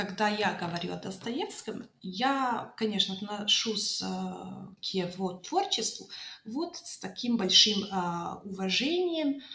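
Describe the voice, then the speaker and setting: A woman speaks at a very slow pace. Noticeable background noise is present. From Montenegro. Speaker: literature enthusiast, language learner. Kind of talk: casual interview discussion. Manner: hesitant, frequent fillers.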